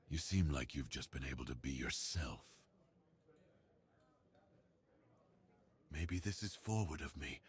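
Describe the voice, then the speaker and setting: A man voicing a brooding, lonely gay werewolf who longs for love, speaking intimately and confidingly in an ASMR roleplay, with a low, husky, breathy voice. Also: full character voice. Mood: tender, hopeful.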